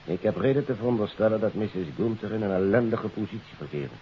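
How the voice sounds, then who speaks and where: An actor playing an earnest, courteous police investigator in a 1950s radio drama, with a formal, deliberate and emphatic delivery. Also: male voice, lowish voice, lightly acted. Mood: grave, explanatory. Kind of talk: 1950s Dutch radio detective drama acting. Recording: dull, hissy 1950s radio recording.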